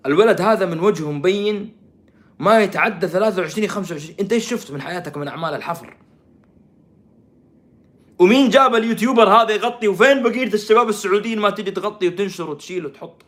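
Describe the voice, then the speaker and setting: A man giving sarcastic live-stream commentary, swinging from loud outbursts to soft mutters. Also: high voice, racing. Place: living in Canada.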